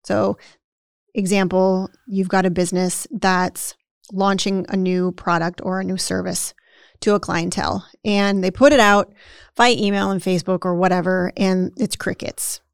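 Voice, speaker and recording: A woman's voice: medium pitch, steady tone, moderate pace, vocal fry, smooth, no echo, studio quality. A woman co-hosting a podcast in casual conversation, chatty, often tagging sentences with "right?" and acting out the self-talk of the people she describes. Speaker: podcast co-host.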